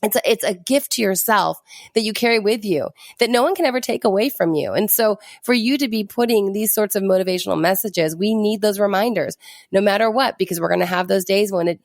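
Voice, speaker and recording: A female podcast host speaks in an encouraging, conversational way, jumping up in pitch whenever she acts out a quote. Her voice sits at a middling pitch, and the recording is dry and close. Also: a little fast, dry recording. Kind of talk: casual interview talk.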